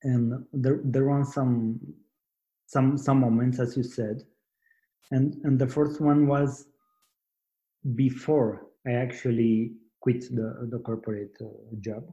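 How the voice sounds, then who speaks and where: In a Romanian accent, a man speaks very slowly in a medium-pitched, dark, mellow, somewhat breathy voice with fairly even intonation. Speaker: entrepreneur and finance educator. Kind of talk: interview. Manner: halting.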